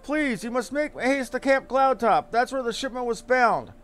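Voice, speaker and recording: A man's voice: extremely high pitch, lively intonation, normal speed, faint music behind. A man voicing an anxious fantasy game merchant, pleading in florid, dramatic speech. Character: anxious airship merchant fretting over debts and lost cargo.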